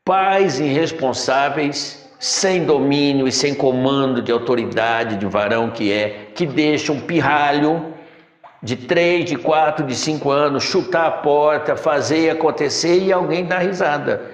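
A middle-aged man gives a preachy spiritual lecture from a chair in a decorated room, his fairly high voice moving a little slowly as he addresses listeners as "my son." The spiritual teacher is recorded from a far camera, and the room echoes with long reverb.

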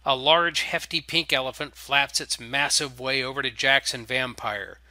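Guy reading a story out loud, kinda theatrical, super crisp bright voice, dry recording. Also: medium pitch, steady tone, moderate pace, dry recording. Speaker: narrator. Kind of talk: scripted story narration.

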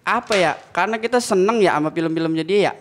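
Man, young adult, Betawi accent, high voice, blunt and chatty guest. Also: quick pace, a little hiss or hum. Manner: blunt, chatty, laughs easily. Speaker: guest, lenong comedian. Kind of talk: casual chat.

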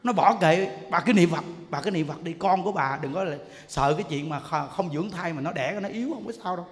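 Monk giving a sermon, kinda high voice, jumps around a lot telling stories, long echo in the hall. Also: male voice, quick pace. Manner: animated storytelling, acts out people he quotes. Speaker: Buddhist monk. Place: temple hall. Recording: long hall reverb, faint ambience.

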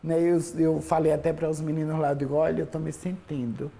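A woman's voice: deep voice, flat delivery, quick pace, creaky, warm tone. A woman giving a candid personal interview testimony as a patient.

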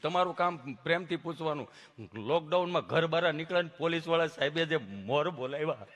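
A man doing a low, mumbling village simpleton. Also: sharp tone. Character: slow-witted adult village man, deadpan and literal.

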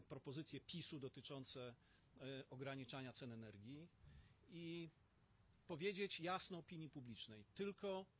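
A man's voice: on the high side, fairly bright tone, breathy edge. A middle-aged man giving an emphatic political statement at an outdoor press conference, speaking into a cluster of stand mics. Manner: emphatic, rallying, with pauses and fillers. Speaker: opposition politician. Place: outdoor terrace in front of a banner.

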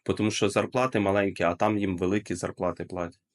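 A man's voice: low voice, fairly even intonation, fast. A man with a Ukrainian accent hosting a video chat, asking probing questions and answering with short acknowledgements. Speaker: streamer, host. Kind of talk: casual chat. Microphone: video call.

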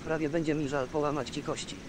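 An actor playing a cocky, threatening old pirate in a fantasy video game, gruff and taunting. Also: male voice, a little high, little pitch movement, fast talker, natural voice. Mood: mocking, menacing. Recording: game audio with clear ambient noise.

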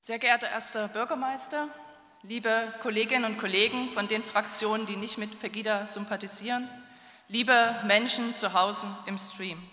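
Bright-voiced woman councillor in an echoing hall. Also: on the high side, fairly even intonation, moderate pace, faint music behind. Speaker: city councillor. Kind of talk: formal council speech. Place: large council hall, at a lectern. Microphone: lectern gooseneck microphone. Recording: roomy hall with long reverb.

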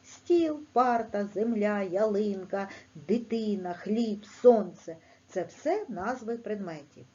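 Slow sing-song Ukrainian woman teacher. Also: dull audio. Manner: slow, clear, sing-song teacher talk with lively pitch. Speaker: primary school teacher. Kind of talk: online language lesson for children.

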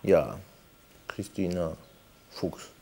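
A man using a disguised deep voice to play a deadpan male hotline operator on a prank phone call, slow and hesitant with many fillers. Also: exaggerated voice. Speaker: TV show host posing as ticket hotline operator.

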